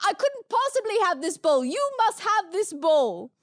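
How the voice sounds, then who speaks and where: A woman's voice: very high-pitched, sing-song, moderate pace. A woman voicing a scheming, over-polite lady poisoner who stalls in flustered, formal phrases during a tabletop game. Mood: flustered politeness.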